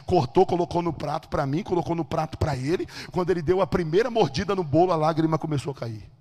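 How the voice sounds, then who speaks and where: High-voiced animated Brazilian pastor. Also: male voice, fast talker. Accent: Brazilian Portuguese. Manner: animated, acts out dialogue, shouts at peaks. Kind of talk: storytelling sermon. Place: church.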